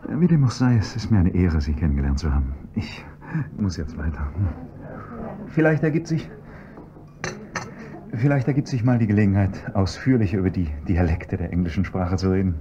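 A man's voice: deep voice, expressive, normal speed. An actor playing a polite, ingratiating and evasive male chauffeur in a radio drama. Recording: dull lo-fi recording, faint hiss.

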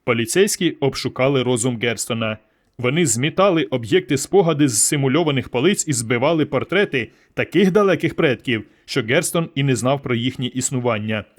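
A man reading a science-fiction audiobook aloud in steady storytelling narration. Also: mid-range voice, a little fast.

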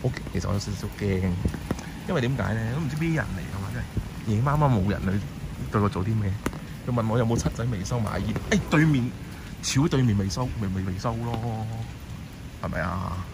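Brisk and gravelly, with a lowish voice, a man with a Hong Kong Cantonese accent streams live as he tours wet night streets on foot. Through his handheld phone camera he chats easily with viewers and passers-by over steady rain and passing traffic.

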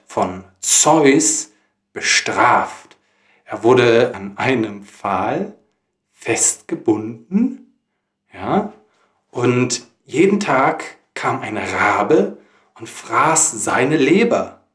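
Very slow, deliberate German teacher. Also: male voice, medium pitch, roomy sound. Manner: deliberate, careful phrasing for learners. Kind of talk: slow, clear teaching talk to learners.

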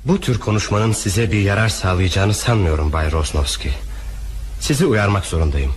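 A man's voice: deep voice, lively intonation, normal speed. A man acting a formal, controlled and unbending banker in a crime radio drama. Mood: firm, formal. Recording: faintly noisy radio drama recording.

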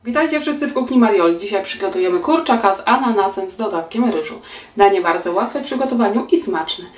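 A woman in her forties hosting a cooking channel, calmly explaining a recipe step by step and politely addressing her viewers from a home kitchen. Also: medium pitch. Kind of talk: recipe instructions. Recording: roomy kitchen echo, voice a bit distant.

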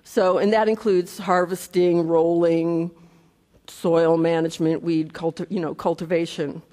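A woman's voice: on the low side, little pitch movement, a little slow, mellow. A woman giving a conversational conference lecture, with many restarts and asides. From United States. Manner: conversational, frequent okay and restarts. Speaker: conference speaker, entomologist. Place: conference hall. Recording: reverberant hall.

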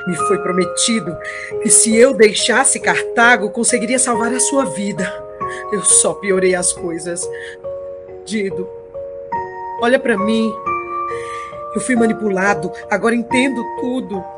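A woman's voice: medium pitch, a little slow, pauses often, natural voice. A woman playing an emotional, pleading Trojan king in an audio drama. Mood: anguished. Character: Aeneas, anguished heroic Trojan king, adult man. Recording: loud background music.

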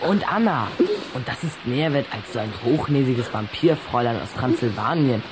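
A man plays an earnest, loyal boy with a medium-pitched voice. He sounds sometimes hesitant, in children's radio drama style, with clear rain ambience behind him. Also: lively intonation, moderate pace, background noise, close to an everyday voice. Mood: consoling. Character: earnest, loyal, quick-witted human boy. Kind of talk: children's radio play acting.

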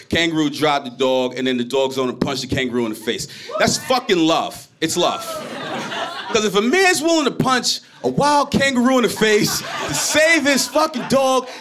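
A man from Brooklyn doing a stand-up set in a casual, streetwise storytelling manner. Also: medium pitch. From Brooklyn, New York. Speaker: stand-up comedian. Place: comedy loft before a live audience. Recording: live room with audible background noise.

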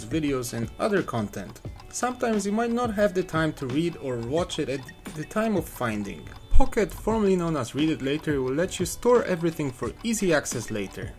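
A young man narrating a scripted, upbeat walkthrough of phone apps as the channel's reviewer. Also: on the high side. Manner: upbeat, clear product walkthrough. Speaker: app reviewer.

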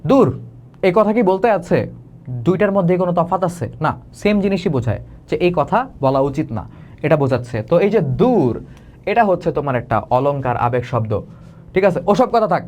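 A man's voice: fairly high pitch, expressive, fairly quick, darkish tone, a little hiss or hum. A young man from Bangladesh teaching an online exam-prep class, explaining in a casual, colloquial way and acting out the example phrases.

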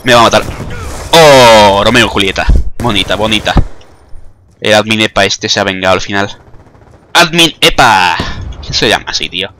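A man's voice: on the low side, fairly even intonation, brisk, long pauses, sharp tone, slight background noise. A young man with a Spanish accent from Spain gives chatty, joking commentary while playing a game, mocking his own skills. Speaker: gaming commentator. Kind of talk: casual gameplay commentary.

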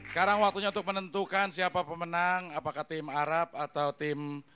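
On a TV studio stage before a live audience, a middle-aged man hosts a stand-up comedy show, joking and teasing the comics. His fairly high voice holds a steady tone and moves a little fast. He uses a handheld mic, with loud audience laughter and music behind him.

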